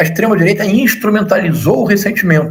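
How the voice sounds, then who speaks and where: A man with a high pitch and an animated tone talks at a fairly quick pace. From Brazil, Rio de Janeiro. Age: 60s. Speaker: professor. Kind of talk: interview.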